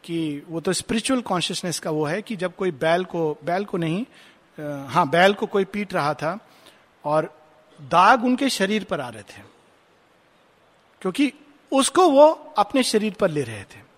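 A man, giving a reflective spiritual discourse and slowly reading English verse aloud. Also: high-pitched, lively intonation, a bit bright. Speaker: spiritual speaker. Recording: long hall reverb.

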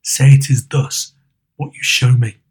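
A man voicing a frightened old miser in an audiobook, pleading in a hushed, half-whispered voice. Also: medium pitch, little pitch movement, unhurried, husky.

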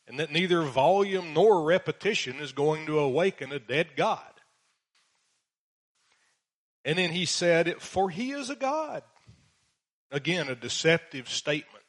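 Man, bible teacher, verse-by-verse teaching, slow scripture reading, dry sarcastic asides, mid-pitched voice. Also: a bit bright. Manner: reads scripture slowly, then explains with dry sarcasm.

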